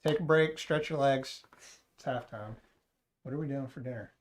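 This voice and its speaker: A man's voice: medium pitch, moderate pace. A man hosting a casual livestream, joking and rambling to his chat. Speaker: livestream host.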